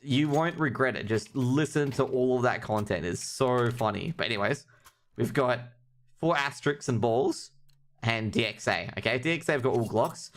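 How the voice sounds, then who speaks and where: A man's mid-range, somewhat bright voice carries casual, humorous live commentary on an esports match. Along the way he banters informally with his viewers. Background noise and clicks are clearly present.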